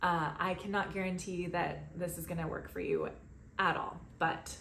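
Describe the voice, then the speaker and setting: A woman with a General American accent talks amid audible room echo. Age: 40s. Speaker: licensed counselor and video creator. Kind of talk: personal story vlog.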